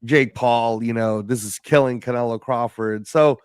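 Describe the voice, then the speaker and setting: A man's voice: mid-range voice, fairly even intonation, moderate pace, clear, resonant tone, no echo, studio quality. A man talking casually as a guest on a livestream, often repeating words as he gathers his thoughts. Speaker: guest commentator.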